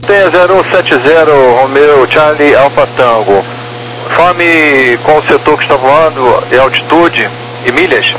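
A man's voice: fairly high pitch, unhurried, fairly bright tone. Crackly radio guy, brazilian air traffic control, short clipped instructions, some hum. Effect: crackly aviation radio.

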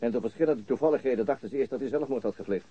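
An actor playing a calm, shrewd police detective in a radio crime drama, questioning in a measured, matter-of-fact way. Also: male voice, medium pitch, slightly rough, close to an everyday voice. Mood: explaining, wry. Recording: dull, lo-fi radio recording.

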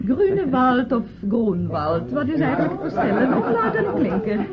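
A woman's voice: high-pitched, sing-song, moderate pace. An actress playing an affected, well-off society woman in a Dutch radio play, chatty, defensive and fluttery. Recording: dull old radio recording, party chatter behind.

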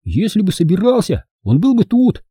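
A man voicing a nervous young boy who talks in an anxious hush. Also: sits high, wildly swooping pitch, moderate pace, husky, no room sound, clean studio sound, voice pushed up, full character voice. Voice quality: hushed, anxious.

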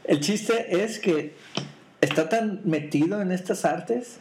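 A man's voice: high voice, slow, background noise. Teasing man hosting a podcast. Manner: teasing, playful, restarts a lot. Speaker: podcast host. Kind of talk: casual joking chat.

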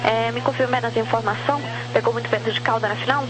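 A woman's voice: a little high, fairly even intonation, racing, low-quality recording. Lady tower controller on radio, short polite instructions, some music behind. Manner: brief, courteous instructions. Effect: aviation radio transmission. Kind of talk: clipped air traffic control phraseology.

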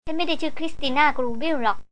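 A woman's voice: high-pitched, very fast, fairly bright tone, pitched above the performer's own voice. A woman reading the lines of a young woman chemist who talks breathlessly and urgently. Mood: excited. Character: excited young woman chemist lost in cave.

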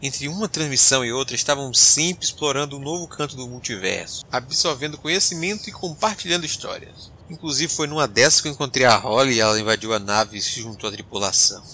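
Um homem interpretando um capitão de nave informal e expressivo, apresentador e narrador de um audiodrama. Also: male voice, medium pitch, quick pace, few pauses, bright, forceful tone, a little hiss or hum. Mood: upbeat, narrating. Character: male spaceship captain, breezy, mildly grumpy storyteller. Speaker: host. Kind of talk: audio drama narration and dialogue.

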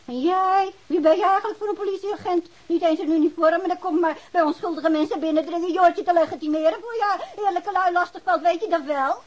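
An actress playing a sharp-tongued, scornful wife, scolding coarsely and combatively in a radio drama. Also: female voice, very high-pitched, a little fast, few pauses, lo-fi sound. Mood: indignant, furious.

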